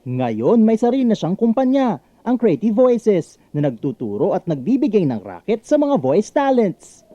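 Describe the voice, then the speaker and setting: A man's voice: high voice, sing-song, moderate pace, no room sound, muffled recording. A man with a Filipino accent reading scripted narration as a TV news reporter.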